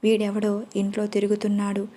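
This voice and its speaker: A woman's voice: medium pitch, completely flat delivery, fairly quick, mellow, natural voice. A woman voicing a fierce, blunt young woman who threatens and explains herself, in a storybook reading.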